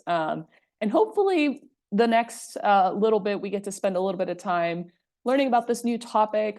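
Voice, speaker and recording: A woman from Puerto Rico runs a workshop over a video call, presenting casually and warmly. Her voice is mid-range with a darkish tone, and she says "um" often.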